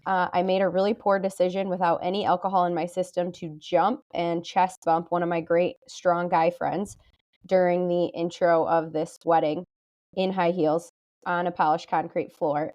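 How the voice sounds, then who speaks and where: A woman in her thirties, a chiropractor guest on a podcast, telling her story in a relaxed, candid, self-deprecating way. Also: lowish voice, unhurried, highs cut off.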